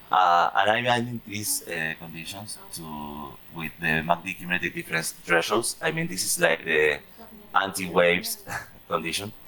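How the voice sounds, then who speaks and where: A man's very deep, low voice with big swings in loudness and noticeable background noise. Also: ordinary pitch variation, moderate pace. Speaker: community developer presenting trading strategy. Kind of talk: technical presentation on a community call. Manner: halting, many fillers and repetitions.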